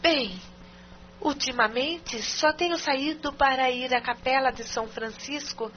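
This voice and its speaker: An actress playing a fearful young wife who speaks hesitantly and with worry. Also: female voice, high-pitched, unhurried. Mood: worried. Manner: hesitant, worried. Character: anxious young wife, fearful of her jealous husband. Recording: dull lo-fi radio recording with hum.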